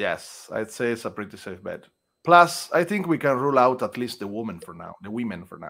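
Pitched medium for a man, his bright, sharp voice moves at a fairly quick pace, with very wide pitch swings and big swings in loudness. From Italy. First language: Italian. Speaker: livestream host for a game publisher. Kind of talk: casual live game stream chat. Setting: online livestream with screen share. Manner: animated.

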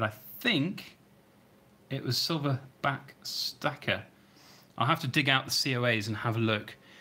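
A man with a British accent speaks at a fairly slow pace. His tone is bright and sharp. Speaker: YouTube channel host. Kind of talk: livestream giveaway chat.

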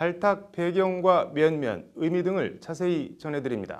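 With a quiet background, the talking proceeds at a fairly slow pace. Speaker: news anchor. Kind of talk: news reading. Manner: formal. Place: studio.

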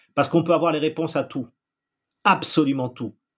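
Over a quiet background, a somewhat breathy man talks at a fairly quick pace with a fairly high pitch. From Gabon. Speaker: spiritual healer; spiritual teacher. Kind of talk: livestream talk with viewers; guided meditation. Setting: TikTok live stream. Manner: halting. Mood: calm, warm. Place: home room. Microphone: phone near.

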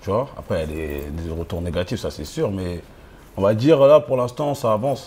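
A man with a fairly low pitch speaks with very wide pitch swings and big swings in loudness. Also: moderate pace. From France, Essonne (Évry-Grigny). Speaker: rapper. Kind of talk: interview. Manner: halting. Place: bar.

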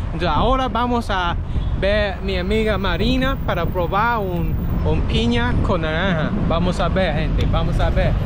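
A man speaks at a fairly slow pace over loud background noise. The sound is dry, with no echo. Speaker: travel vlogger. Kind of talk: casual vlog chat. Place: street. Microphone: phone near.

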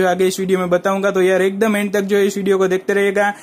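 Talking at a fairly quick pace, a man keeps a high pitch with monotone, flat intonation. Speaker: audio gear reviewer. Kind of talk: tutorial. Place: workshop. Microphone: phone near.

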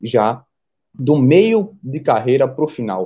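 Very wide pitch swings mark this man's fairly slow speech, delivered in a dark, mellow tone. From interior of Bahia, Brazil. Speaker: football fan commentator. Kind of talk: casual chat. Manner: animated.

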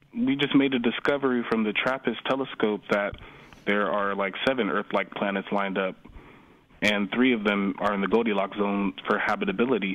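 A man with an American accent, a plain, everyday voice, fairly low pitch, fairly even intonation and a fairly quick pace. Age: 20s. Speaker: caller. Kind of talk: phone-in discussion. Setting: phone call.

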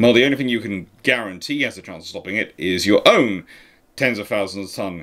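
A man talks at a moderate speed, his pitch varying in an ordinary way, with a quiet background behind him. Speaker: naval history channel host. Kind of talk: commentary. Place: home room. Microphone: phone near.

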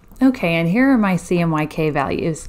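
In a very clean recording with a silent background, a woman speaks with a normal speaking voice, fairly low in pitch, with lively intonation. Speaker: graphic design tutor. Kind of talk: tutorial.

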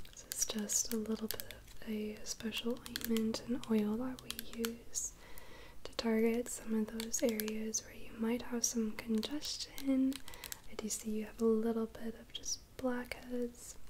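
A soft-spoken woman talks at a fairly slow pace in a monotone, flat intonation, with noticeable background noise. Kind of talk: soft-spoken roleplay. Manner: soft, hushed ASMR roleplay voice. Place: home room.

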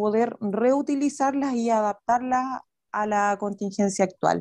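Her voice sits fairly high in pitch, with a dark, mellow tone and fairly even intonation. The woman speaks at a very slow pace, and the sound is dry with no echo over a quiet background. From Chile. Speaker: civil builder presenting a proposal; presenter. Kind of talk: formal presentation. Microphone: video call.

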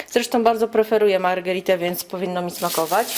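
Noticeable background noise fills the recording. Through it a woman talks. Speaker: vlogger. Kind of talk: casual vlog, grocery haul. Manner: chatty, hesitant with fillers.

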